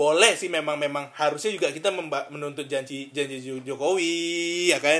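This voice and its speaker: Using a bright, sharp tone, a man with a fairly high pitch talks at a moderate pace with fairly even intonation. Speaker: podcast co-host. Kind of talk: casual chat.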